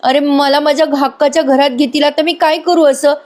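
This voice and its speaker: A woman's voice: sits high, moderate pace, voice pushed up, lightly acted. A woman voicing a scheming young woman who pleads tearfully, whining and stammering. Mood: tearful pleading.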